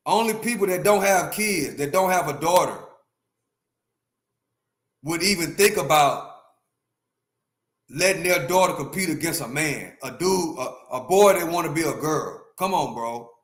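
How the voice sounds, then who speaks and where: A man in his fifties rants emphatically on a livestream, repeating his points and speaking straight to his chat. His voice is fairly high and a bit bright, unhurried, with frequent pauses. The sound is roomy.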